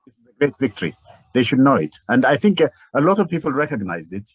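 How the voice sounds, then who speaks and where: An older man from Ethiopia with an Ethiopian accent, giving impassioned interview commentary in a halting, repetitive, emphatic way. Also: medium pitch, very animated.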